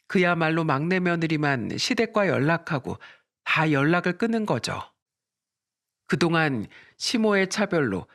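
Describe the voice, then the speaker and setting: A man giving scripted first-person story narration in an even storytelling manner. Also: a little high.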